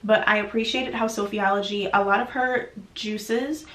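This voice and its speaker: A woman's voice: mid-range voice, steady tone, moderate pace, fairly bright tone. Young woman, nasal from a cold, chatty vlogger, filler-heavy, echoey room. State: sick, nasal. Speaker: YouTube vlogger. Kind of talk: chatty vlog talk.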